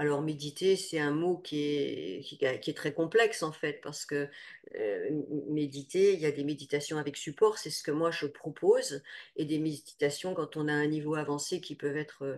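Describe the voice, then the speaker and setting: A woman with a very deep, low voice talks at a moderate pace, her intonation fairly even. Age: 70s. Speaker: meditation teacher and psychotherapist. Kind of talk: interview. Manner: halting.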